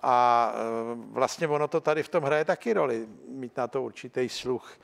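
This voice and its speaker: A man hosting a talk show, asking casual questions with quick backchannels and teasing asides. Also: medium pitch, creaky. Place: theatre stage at a public taping.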